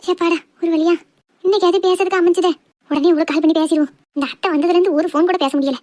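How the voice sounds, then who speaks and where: Woman voicing a very high, quick cartoon girl. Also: steady tone, warm tone. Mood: anxious. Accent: southern Tamil Nadu Tamil. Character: sweet, easily wounded young girl in love. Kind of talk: amateur cartoon love drama voice acting.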